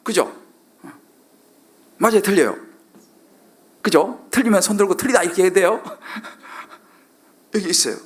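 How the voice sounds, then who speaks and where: A man's voice: high voice, animated, measured pace, pauses often. A middle-aged male pastor preaching a sermon, constantly asking the congregation questions and acting out quoted lines.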